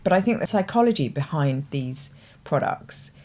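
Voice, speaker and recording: A woman's voice: sits low, lively intonation, normal speed, dark tone. A British woman hosting her own show, explaining ideas in a thoughtful, conversational way with hedging asides. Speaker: host. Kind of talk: explanatory talk to camera.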